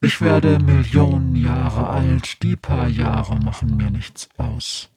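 A man voicing a grumpy, sleepy female dragon creature who talks in a gruff, blunt, unbothered way. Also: medium pitch, steady tone, slow, over loud music, natural voice. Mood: teasing.

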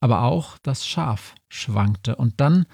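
A man reading a humorous story aloud, lively, putting voices to the characters. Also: mid-range voice, takes it slowly, creaky, no room sound, clean studio sound. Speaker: narrator.

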